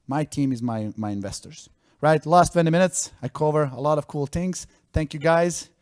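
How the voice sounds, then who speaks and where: A man's voice: fairly high pitch, normal speed, a little mellow. A man presenting at a founder event, talking energetically in non-native English phrasing and acting out quotes. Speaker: startup founder presenting to an audience. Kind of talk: conference stage talk. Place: event stage.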